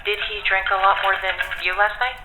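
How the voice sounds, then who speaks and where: Woman acting calm diplomatic school counselor, dry and firm, audio drama, noise behind her. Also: medium pitch, natural voice. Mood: gentle. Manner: measured, diplomatic.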